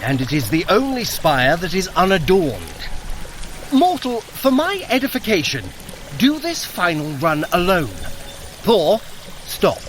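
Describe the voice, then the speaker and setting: An actor playing a sly, clever trickster god in an audio drama, with a wry, theatrical, condescending manner. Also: male voice, sits high, very animated, a little slow, a bit bright, a little hiss or hum, exaggerated voice. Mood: testing, brisk.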